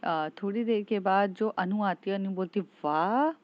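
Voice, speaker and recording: A woman's voice: mid-range voice, fairly even intonation, moderate pace. A woman casually retelling a love story in a chatty, loose way with many fillers, in a muffled lo-fi recording.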